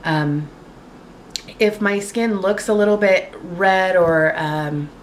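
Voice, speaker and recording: Chatty woman with a slight cold rasp. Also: fairly low pitch, slow pace, a little hiss or hum, poor audio. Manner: chatty, lots of fillers and likes. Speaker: beauty vlogger. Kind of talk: casual chat to camera. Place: home, indoors.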